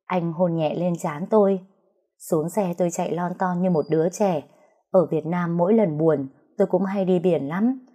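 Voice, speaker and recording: A woman narrating a first-person romantic story in a soft, even storytelling manner, voicing the dialogue herself. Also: fairly low pitch, normal speed, slightly rough.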